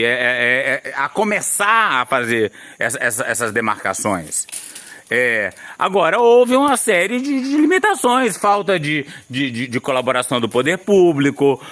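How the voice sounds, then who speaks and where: A man's voice: on the high side, bright, forceful tone, no room sound. A man with a Brazilian Portuguese accent, hosting his own channel and commenting on a newspaper article. He talks with indignation, restarting often and tagging on questions. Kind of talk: opinionated video commentary.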